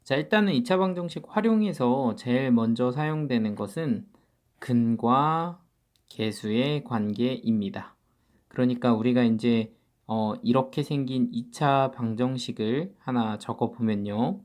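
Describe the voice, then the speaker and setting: A man's voice: mid-range voice, a little slow, darkish tone. Man talking through a math lesson. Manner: explains step by step, often asks and answers himself. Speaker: math tutor. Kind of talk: spoken math lecture.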